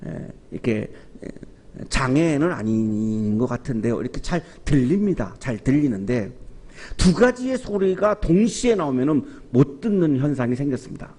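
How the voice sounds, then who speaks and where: A man in his fifties preaching a Sunday sermon in a church, telling a story and acting out quiet whispered lines and loud calls. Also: mid-range voice, big pitch swings, moderate pace. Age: 50s. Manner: storytelling with soft acted quotes and sudden raised exclamations. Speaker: pastor. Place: church sanctuary.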